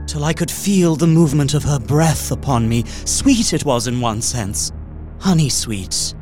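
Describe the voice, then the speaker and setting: An actor playing an anxious young man trapped in a castle, narrating a diary in a gothic horror audio drama with dramatic hushed dips and swells. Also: mid-range voice, close to an everyday voice. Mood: entranced, fearful.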